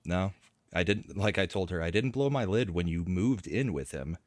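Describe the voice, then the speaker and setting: A man's voice: sits low, expressive, moderate pace, no echo, clean studio sound. A man in his forties who is a panelist in a casual discussion and talks in an easygoing way, with light chuckles. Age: 40s. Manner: easygoing, chuckles while telling stories.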